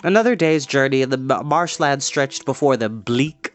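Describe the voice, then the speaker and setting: A storyteller giving a measured, expressive reading of a scripted adventure story. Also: mid-range voice, faint music behind. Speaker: storyteller reading a novel aloud.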